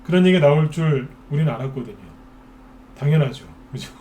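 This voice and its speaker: A stock market commentator, a man with a slightly high voice, talks his audience through the market in a casual, chatty way. He keeps asking rhetorical questions and mimics anxious investors. A faint hiss of noise sits under the recording. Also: fairly quick, mellow. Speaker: stock market expert host.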